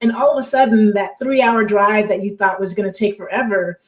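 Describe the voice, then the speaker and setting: A woman hosts a podcast conversation with a medium-pitched voice, affirming her guest and tossing in easy tag questions. Her voice carries a noticeable roomy echo. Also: brisk. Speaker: podcast host. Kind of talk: casual interview chat.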